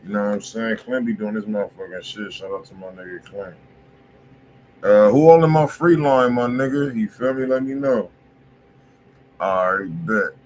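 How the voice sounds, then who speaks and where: A man with a lowish voice hosts a casual music review livestream from his home room, talking loose and slangy as he calls out to the chat. He speaks into a desk mic by his webcam, with a faint rumble behind him. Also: normal speed, a little mellow, poor audio.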